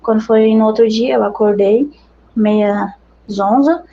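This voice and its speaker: A woman's voice: a little high, takes it slowly, mellow, dull audio. A woman missionary with a Brazilian accent giving an earnest, conversational religious testimony to her brothers and sisters in faith.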